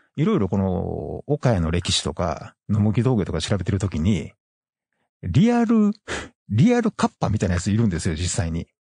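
Man's fairly low, somewhat breathy voice with a dark, mellow tone over a quiet background. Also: ordinary pitch variation, moderate pace, dry sound with no echo. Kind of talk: storytelling. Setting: campsite by a lake at night. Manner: hushed, quiet tone for campsite quiet hours. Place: open country.

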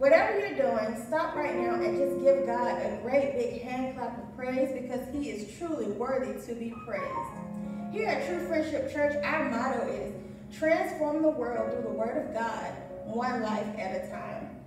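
A high-pitched woman at a fairly slow pace, with strong room echo and clear music in the background. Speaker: church welcome host. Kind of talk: church service welcome and announcements. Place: church.

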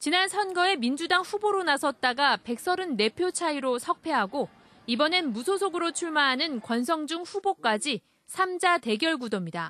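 A woman uses a raised, projected voice at a fairly slow pace, with very wide pitch swings. The sound is dry and close, with no echo. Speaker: news reporter. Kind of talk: news reading. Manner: formal.

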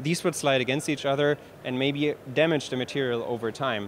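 At a fairly quick pace and with ordinary pitch variation, a man speaks over light background noise in a dry sound with no echo. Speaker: guest. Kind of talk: interview answer. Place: hall. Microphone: handheld.

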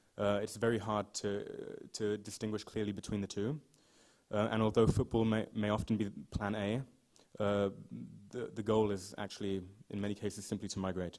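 In a normal speaking voice, a man speaks at a moderate pace with fairly low pitch and fairly even intonation against a quiet background. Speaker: PhD researcher; conference presenter. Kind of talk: conference presentation. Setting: stage with audience. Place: meeting room. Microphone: podium.

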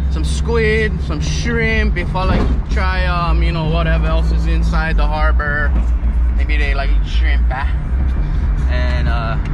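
Over background music, a man speaks at a fairly slow pace in a dry recording with no echo. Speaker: fishing vlogger. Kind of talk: casual vlog chat. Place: car. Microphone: phone near.

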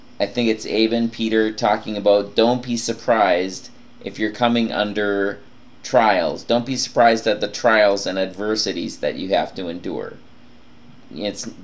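Speaking in a plain, everyday voice, a man keeps a fairly low pitch, fairly even intonation and a moderate pace. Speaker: vlogger. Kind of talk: casual religious reflection vlog. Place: home room. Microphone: webcam.

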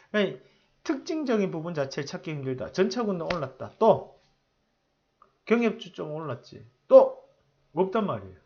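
The voice has a dark, mellow tone, very wide pitch swings and big swings in loudness, moving at a moderate pace with long, frequent pauses. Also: man, high pitch for a man. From South Korea. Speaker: stock market analyst. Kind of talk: market commentary video. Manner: hesitant with frequent fillers. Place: office. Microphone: lapel.

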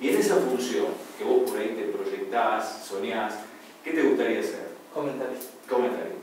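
A man talks at a moderate pace with long, frequent pauses, his voice carrying strong room echo over light background noise. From Argentina. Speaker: sports commentator teaching a class. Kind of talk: lecture. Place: classroom. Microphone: camera far.

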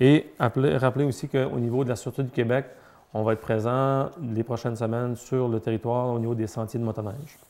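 A man with a dark, mellow tone talks at a very fast pace with fairly even intonation. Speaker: police officer; police spokesperson. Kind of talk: police report. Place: office. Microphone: lapel.

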